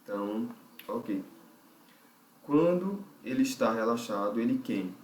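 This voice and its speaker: A man's expressive, medium-pitched, darkish voice, unhurried and Brazilian Portuguese-accented, guides a vocal technique lesson. He goes step by step, thinking aloud and repeatedly checking in with the listener. The recording sounds roomy, from a distant mic.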